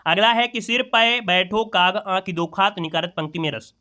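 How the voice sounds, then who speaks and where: Male tutor, high and bright, walks viewers through exam answers, repeating each one. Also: moderate pace. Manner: repeats each question and answer, asks rhetorical questions; addresses listeners as friends. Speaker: teacher solving exam questions. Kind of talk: exam-prep lesson.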